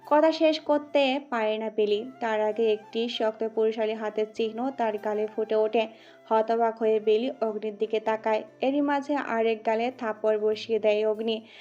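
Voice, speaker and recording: A woman narrating a scripted audio story in a steady, dramatic way. Her voice sits slightly high, with a dark, mellow tone. The recording is dull and muffled, with soft music underneath. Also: moderate pace.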